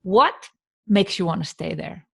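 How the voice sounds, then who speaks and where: A woman's voice: fairly low pitch, lively intonation, measured pace, vocal fry, husky. A middle-aged woman from Iceland hosting a podcast interview in a friendly, conversational way. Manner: friendly, conversational, laughs easily. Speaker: podcast host. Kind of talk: casual interview chat.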